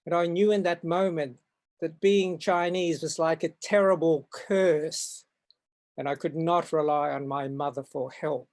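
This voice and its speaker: A man in his seventies from Far North Queensland with an Australian accent, telling stories from his life in a hesitant, halting way over a video call from home. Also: on the high side, fairly even intonation, a little mellow. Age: 70s. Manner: hesitant, halting, with frequent ums and restarts. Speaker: guest artist. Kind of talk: reflective storytelling in an interview.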